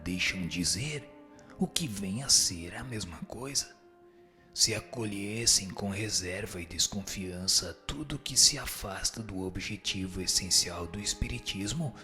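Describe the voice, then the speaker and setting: Radio drama spirit, played by a man: Brazilian accent, stern moral teacher, unhurried and crisp-edged, solemn delivery. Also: fairly low pitch, pushed and bright. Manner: solemn, didactic. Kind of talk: scripted radio drama reading of a spiritist text.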